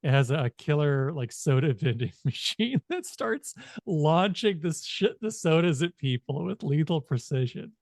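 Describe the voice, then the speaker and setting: Slow, creaky-voiced man running a game. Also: a little high, sing-song, darkish tone, dry recording, studio quality. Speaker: game master. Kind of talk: narrating a tabletop game, casual.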